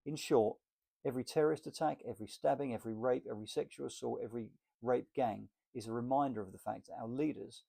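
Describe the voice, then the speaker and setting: A man's voice: mid-range voice, fast, creaky, mellow, husky. A man reading a political essay aloud in an emphatic, list-like delivery. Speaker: reader.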